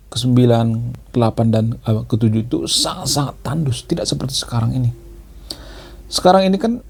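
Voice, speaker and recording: A man explains his subject in a casual monologue, repeating words for emphasis and tagging phrases with a questioning "ya". His voice is dark and mellow with a gravelly edge. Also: medium pitch. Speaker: channel host.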